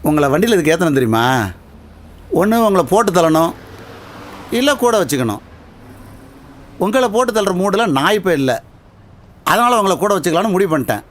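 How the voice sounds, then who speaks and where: An actor playing a menacing, domineering rowdy boss in a Tamil film, bullying in Madras street slang. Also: male voice, high voice, very animated, brisk, pauses often, a little hiss or hum. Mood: commanding. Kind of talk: film dialogue acting.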